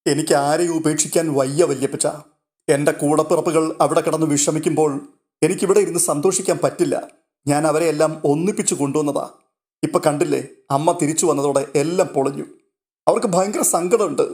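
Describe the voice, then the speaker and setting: A man's voice: fairly high pitch, steady tone, a little fast, a little mellow, natural voice. A man voicing a tearful, selfless young woman pleading through her sorrow in a read-aloud story.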